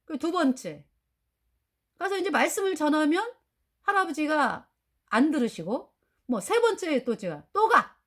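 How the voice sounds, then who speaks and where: High, lively middle-aged woman storyteller. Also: a little slow, pauses often. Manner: animated, acts out quoted dialogue, laughs often. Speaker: church member giving testimony. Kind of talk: personal testimony storytelling.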